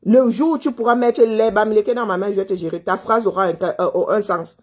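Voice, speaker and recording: A woman's voice: medium pitch, steady tone, brisk, a little mellow. A woman delivering a heated monologue, scolding a listener, repeating herself and firing rhetorical questions. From Cameroon. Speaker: commentator answering viewers.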